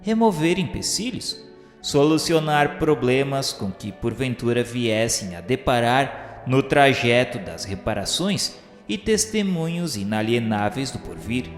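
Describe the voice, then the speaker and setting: A man's voice: mid-range voice, sing-song, measured pace. Male narrator, Brazilian accent, mid-range voice, formal and solemn radio-novel reading, heavy hall reverb. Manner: formal, literary delivery. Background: music.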